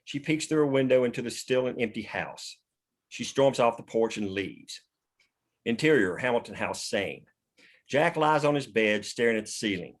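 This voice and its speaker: A man's voice: mid-range voice, animated, normal speed. A man narrating the stage directions of a screenplay at a table read.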